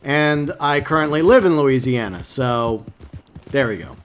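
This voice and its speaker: A man's voice: mid-range voice, lively intonation, a little slow. A man from Texas, casually chatting to viewers on a live game stream and reading their comments aloud.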